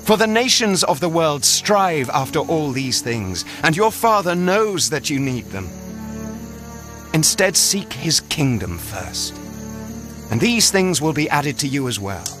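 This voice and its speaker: An actor playing an earnest, reassuring male teacher preaching in a measured, rhetorical way in an audio drama. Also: a little high, sing-song, over music. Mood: earnest teaching.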